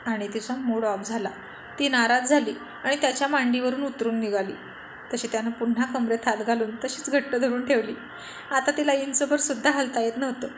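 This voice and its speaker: Brief: female narrator, fairly high voice, steady story reading, faint hiss. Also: brisk, rough recording. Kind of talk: narrating a serialized romance story.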